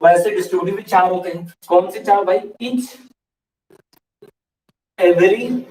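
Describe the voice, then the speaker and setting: A high-pitched man gives an online grammar lesson in a relaxed, conversational way. He keeps asking his viewers questions and answers them with simple examples. His voice echoes around the room and sits a little back from the mic. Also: unhurried. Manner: explains by repeated questions and examples, addresses viewers as "bhai". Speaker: online English grammar teacher. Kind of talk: casual spoken grammar lesson. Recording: roomy echo, somewhat far from mic.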